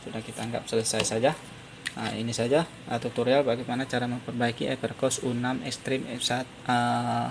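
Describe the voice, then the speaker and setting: Gravelly man narrating over clear noise. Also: mid-range voice. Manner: explanatory, repeats points step by step. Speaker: phone repair tutorial presenter. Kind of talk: hands-on tutorial narration.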